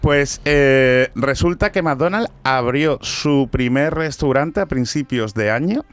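A man's voice: mid-range voice, animated, slow pace, smooth, no echo. A man with an Andalusian accent hosting a studio chat show, presenting news items in a chatty way and tagging his sentences with a questioning "eh". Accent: Andalusian Spanish. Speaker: radio show host.

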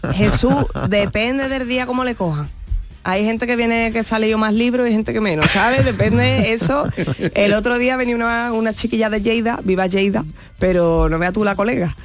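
A woman comedian from Jerez with an Andalusian accent, telling stories with lively chatty flair as a guest in a radio studio. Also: a little high, normal speed, soft background music. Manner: lively, chatty storyteller with playful diminutives. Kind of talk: radio interview.

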